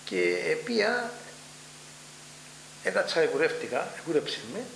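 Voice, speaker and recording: A man's voice: high-pitched, gravelly. An older man with a Cypriot Greek accent, recalling past events in an oral history interview and acting out the dialogue as he tells it. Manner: animated storytelling, acts out dialogue. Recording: echoey room with faint hum.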